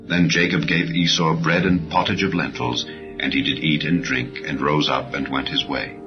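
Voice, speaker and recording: A man reading scripture as an audiobook narrator, in a solemn, measured manner with phrases that fall at the end. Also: rumbling low, fairly even intonation. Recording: slightly dull audio under clear music. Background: background music.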